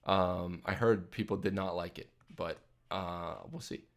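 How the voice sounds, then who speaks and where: A man's voice: low-pitched, steady tone, a little slow. A young man hosting a casual live Q&A, reading out chat questions and answering in a rambling way with lots of ums and restarts. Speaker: livestream host answering chat. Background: jazz playing from a phone.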